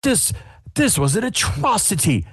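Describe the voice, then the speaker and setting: A snooty old judge who speaks in a prissy, huffy voice, pitched well above the man doing him. He is scornful and easily offended. The recording is dry. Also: big pitch swings, a little slow, slightly rough, dry recording, full character voice. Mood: disgusted. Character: snooty grumpy older male pie judge.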